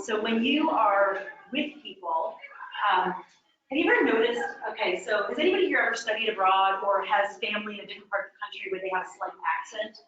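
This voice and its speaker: A woman from New York leads a live workshop, chatty and quick to quiz the people in front of her. Her voice bounces around a very echoey training room. The sound is slightly dull and muffled. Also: medium pitch, a bit bright. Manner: chatty, quizzes the audience. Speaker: real estate workshop presenter. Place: training room with a small audience.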